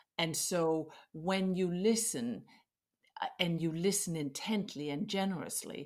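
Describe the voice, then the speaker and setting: Fairly slow and fairly low in pitch, a woman speaks with a non-native accent. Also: very clean recording, silent background. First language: not English. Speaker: executive coach, former investment banker. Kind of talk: interview conversation. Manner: halting, many repetitions and false starts.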